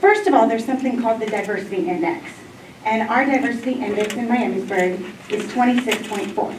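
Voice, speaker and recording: Over noticeable background noise and audible room echo, a woman with a fairly high pitch talks at a very fast pace. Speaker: school program coordinator. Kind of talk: presentation to school board. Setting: public meeting.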